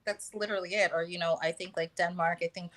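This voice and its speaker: Woman from the US, hesitant, lots of fillers, a bit low-pitched. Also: steady tone, quick pace, fairly bright tone. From United States. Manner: hesitant, many fillers and restarts. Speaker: guest. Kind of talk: casual conversation.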